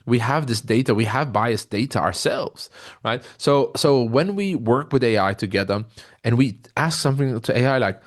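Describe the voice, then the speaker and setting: A man speaking as an interview guest, explaining his ideas and stories earnestly and often checking in with a short tag question. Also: medium pitch. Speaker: interview guest, tech company founder. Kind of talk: conversational interview, explaining and storytelling.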